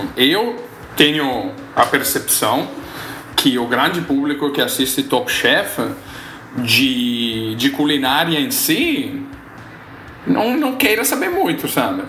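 A man at a very slow pace, with long, frequent pauses, audible room echo and noticeable background noise. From Italy. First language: Italian (speaking Portuguese). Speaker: chef, cooking show contestant. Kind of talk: casual chat.

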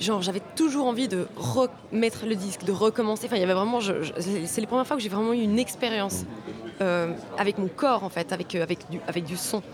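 Against noticeable background noise, a woman speaks fairly quickly with ordinary pitch variation. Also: medium pitch for a woman. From Switzerland. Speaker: DJ and producer. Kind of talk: interview.

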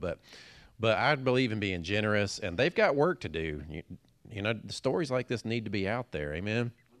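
With an unremarkable speaking voice, a man talks at a fairly quick pace in a fairly low pitch, his intonation lively against a quiet background. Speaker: pastor. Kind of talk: sermon. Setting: church.

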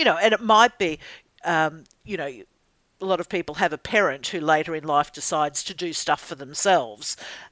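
A woman in an Australian accent at a fairly low pitch and a fairly quick pace, with ordinary pitch variation and big swings in loudness, on a dry, close, very clean recording with no echo and a silent background. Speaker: podcast co-host. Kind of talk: casual chat.

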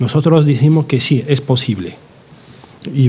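Somewhat breathy and dark, mellow in tone, a man speaks with fairly even intonation. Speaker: political activist. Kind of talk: panel talk.

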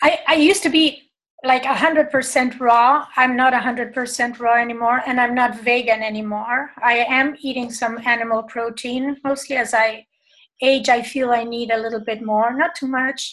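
A woman with a Spanish accent speaks at a high pitch and a fairly slow pace. Her intonation is fairly even against a quiet background. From Argentina, Buenos Aires. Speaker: women's coach. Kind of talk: interview. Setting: video call.

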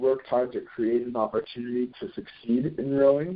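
This is a plain, everyday voice. The pace is moderate. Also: man. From Utah, Salt Lake City. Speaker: college rowing captain. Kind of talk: interview.

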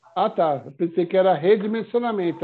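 High pitch from a man, with fairly even intonation. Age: 40s. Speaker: home brewer. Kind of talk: casual chat.

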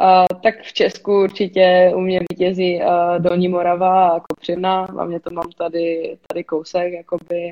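This woman speaks at a fairly slow pace with hardly any pauses, her fairly low pitch held in monotone, flat intonation while her loudness swings widely. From Czechia, Moravia (Otrokovice). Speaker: floorball player. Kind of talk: interview.

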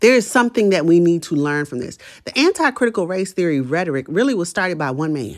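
At a very fast pace, a woman with a fairly low pitch speaks with very wide pitch swings in a very clean recording with a silent background. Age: 50s. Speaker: podcast host and educator. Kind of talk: solo podcast monologue. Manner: casual, conversational.

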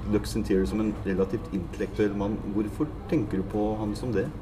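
A man with a fairly low voice talks while noticeable noise fills the background. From Norway, Sandefjord (Vestfold). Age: 50s. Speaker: podcast host. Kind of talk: casual chat; scripted narration. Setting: bar.

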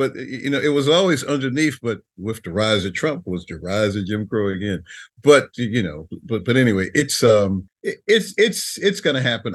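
Very wide pitch swings mark this fairly quick delivery. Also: man. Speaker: independent filmmaker. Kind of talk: casual chat. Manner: halting.

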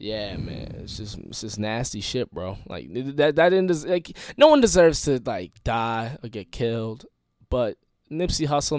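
Using an American accent, a man speaks at a moderate pace with lively intonation. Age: 20s. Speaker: podcaster and rapper. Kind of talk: casual chat. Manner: energetic.

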